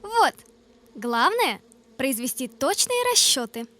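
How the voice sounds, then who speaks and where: A woman voicing a lively, caring young girl heroine in a children's cartoon, with an excitable delivery. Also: high voice, slow pace, background noise, exaggerated voice. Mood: eager. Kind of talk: animated children's cartoon acting. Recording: loud music under the voice.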